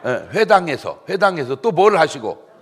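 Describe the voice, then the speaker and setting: A man's voice: fairly high pitch, sing-song, moderate pace. A middle-aged male pastor preaching a sermon, with humour, who keeps quizzing the congregation and having them answer together. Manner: call-and-response questions to the congregation, humorous. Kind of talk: sermon at a dawn revival service. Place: church sanctuary. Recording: echoey church hall.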